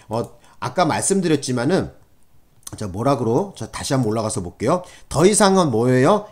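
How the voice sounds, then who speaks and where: A man's voice: fairly high pitch, a little mellow. A middle-aged man lecturing on criminal law for exam candidates in a conversational way, with frequent fillers and checks for agreement.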